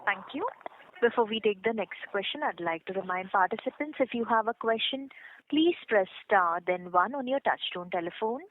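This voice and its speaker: A woman's voice: mid-range voice, animated, normal speed. A woman moderating a conference call over a phone line, making formal, scripted announcements. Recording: tinny phone line with faint hiss.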